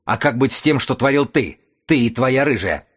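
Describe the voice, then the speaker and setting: Sneering, ruthless tribal chief, voiced by a man, husky and mocking. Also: lowish voice, normal speed, a bit bright.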